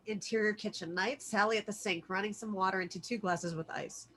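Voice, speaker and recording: Script narrator: woman, bright forceful tone, mid pitch, expressive reading of scene directions. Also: brisk, slight background noise. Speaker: stage directions reader. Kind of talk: scripted narration at a virtual table read.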